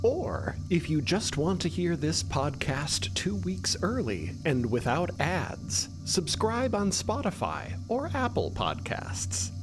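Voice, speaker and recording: A man narrating a scripted audio drama in a dramatic, deliberate manner. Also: fairly high pitch, huge pitch swings, over music.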